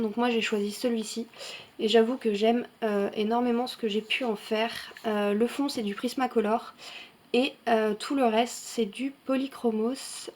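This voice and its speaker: A woman's voice: on the high side, a little mellow. A woman hosting a coloring channel, talking casually through her finished pages with frequent fillers and self-corrections. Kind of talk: casual show-and-tell vlog.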